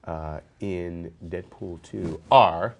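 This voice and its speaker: A man with a very low voice hosts a movie news podcast. He is stuffed up, and he chats casually with plenty of fillers and the odd joke. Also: drawn-out words, vocal fry. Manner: chatty, lots of fillers, jokey. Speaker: podcast host. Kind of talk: casual roundtable chat.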